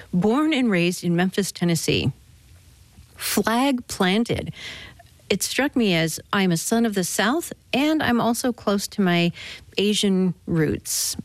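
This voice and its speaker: Woman, radio host, lowish voice, clear even announcing, dry studio sound. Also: no room sound. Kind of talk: scripted radio interview and introductions.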